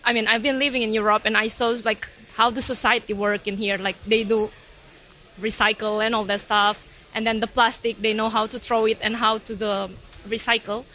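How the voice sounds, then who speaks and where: A woman's voice: fairly high pitch, flat delivery, normal speed, bright, forceful tone, poor audio. A young woman from Indonesia with an Indonesian accent, speaking hesitantly in a casual roundtable discussion. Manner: hesitant, searching for words. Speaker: roundtable participant.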